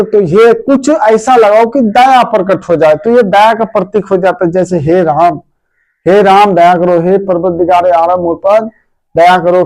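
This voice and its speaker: A man's voice: sits high, darkish tone. A man teaching a casual grammar lesson, talking to his pupils in a fatherly, repetitive way and asking and answering his own questions. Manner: fatherly, repetitive, addresses students as dear children.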